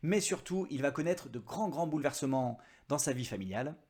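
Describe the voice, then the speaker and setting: A man's voice: mid-range voice, lively intonation, a little fast, darkish tone, slightly rough. Chatty French book vlogger, man. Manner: chatty, self-mocking asides. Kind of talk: casual book review vlog.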